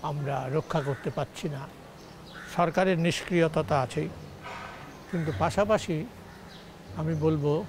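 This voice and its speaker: A man speaks in a dry sound with no echo, though noticeable background noise is present. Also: fairly high pitch for a man, fairly even intonation. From Bangladesh, Dinajpur; Bangladesh. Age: 70s. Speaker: retired physics professor. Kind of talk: interview. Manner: halting. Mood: earnest, concerned. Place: street. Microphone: lapel.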